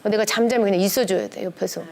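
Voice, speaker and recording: A middle-aged pastor's wife with a mid-range voice and a quick pace gives a church class a conversational lecture on family relationships. She stays lively throughout, acting out little snippets of dialogue in shifting tones.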